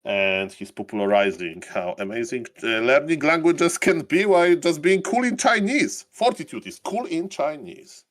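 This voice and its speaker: A man's voice: a little high, big pitch swings, moderate pace, few pauses, fairly bright tone. A man co-casting a live esports broadcast, with rambling, enthusiastic banter full of fillers. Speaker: esports co-caster.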